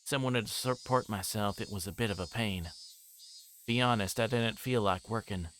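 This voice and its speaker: A man livestreaming a visual novel, reading its text aloud and breaking into casual, rambling commentary as he thinks out loud. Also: lowish voice, moderate pace, a little hiss or hum.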